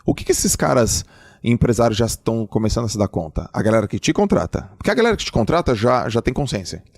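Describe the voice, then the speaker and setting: A middle-aged podcast host with a gravelly, slightly husky voice. He talks in a casual but emphatic, animated way, pressing his points home. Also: mid-range voice, quick pace. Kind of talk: casual conversation.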